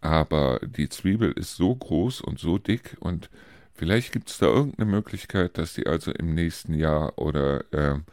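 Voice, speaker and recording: A man's voice: a bass voice, animated, moderate pace, darkish tone, no echo, clean studio sound. A man in his fifties from Germany, hosting a casual podcast monologue, rambling and chatty with frequent hesitations. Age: 50s. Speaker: podcast host.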